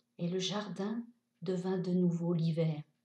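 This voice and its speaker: A woman's somewhat breathy voice, dark and mellow in tone, unfolds at a very slow pace. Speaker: storyteller. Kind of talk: fairy tale reading.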